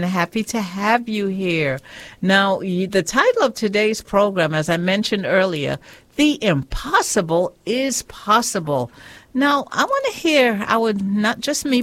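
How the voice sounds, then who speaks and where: A woman's voice: mid-range voice, dry recording. A woman hosting a Christian radio interview program, speaking in an earnest, preaching tone and reading scripture aloud. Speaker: radio show host.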